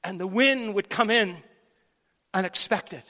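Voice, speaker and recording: A man preaching a sermon with animated stories in an excitable, dramatic manner, repeating phrases for emphasis. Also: high-pitched, a little slow. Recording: echoey hall with long reverb.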